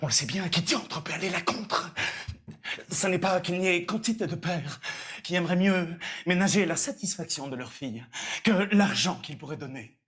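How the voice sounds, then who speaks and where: Stage comedy: smooth young servant-suitor, bright declamatory tone. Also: male voice, sits high, expressive, normal speed. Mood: persuasive. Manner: persuasive, declamatory verse-like delivery. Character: young male steward, smooth flattering schemer. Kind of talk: classical stage comedy acting.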